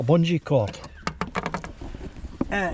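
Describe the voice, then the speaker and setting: A man with a Scottish accent, fairly high-pitched, at a fairly slow pace with lively intonation, over noticeable background noise. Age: 70s. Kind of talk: casual talk to camera.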